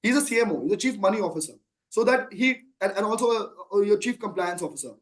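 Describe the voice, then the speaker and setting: With a high-pitched, animated voice and a fast delivery, an Indian-accented man in his thirties responds to earnings call questions as his company's chief executive. His answers run long, emphatic and full of rhetorical questions.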